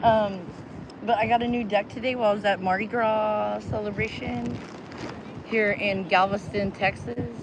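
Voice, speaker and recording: A woman's voice: medium pitch, steady tone, moderate pace, lo-fi sound. Chatty woman livestreaming on a windy beach. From New Mexico. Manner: chatty, bubbly, rambling, laughs easily. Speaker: tarot reader streaming live. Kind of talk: casual live-stream chat, greeting viewers. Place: outdoors at a beach by the ocean. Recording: outdoor phone audio, loud wind noise. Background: wind and loud outdoor noise.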